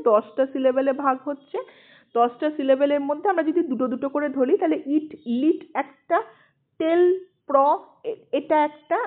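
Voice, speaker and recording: A woman teaching an English poem online with a Bengali accent, explaining patiently and often checking in with her students. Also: sits high. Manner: explanatory, checks in with "ঠিক আছে" and "okay", reads English slowly. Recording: tinny phone-like sound.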